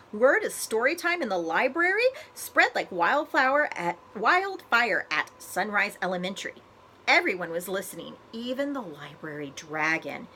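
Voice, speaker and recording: Female storybook reader, librarian type; bright, expressive, animated delivery, some noise behind her. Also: medium pitch. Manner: expressive, deliberate phrasing for children. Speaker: school librarian reading aloud to students. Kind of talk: animated children's storybook read-aloud.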